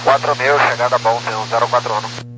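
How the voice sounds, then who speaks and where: A man's voice: medium pitch, fairly even intonation, moderate pace. Male pilot, mid-range voice, short clipped readbacks through a noisy aviation radio. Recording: noisy humming cockpit radio.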